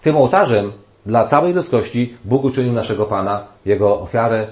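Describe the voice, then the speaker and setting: A man preaching a Bible study sermon in a conversational way. His voice sits at a middle pitch, and he often restarts phrases and checks in with his listeners through tag questions. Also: normal speed, a little mellow, highs cut off.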